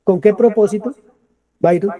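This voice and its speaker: A man's voice: high voice, normal speed, lo-fi sound. A man preaching a sermon to a congregation, asking them questions and answering them himself. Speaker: preacher leading a Bible study.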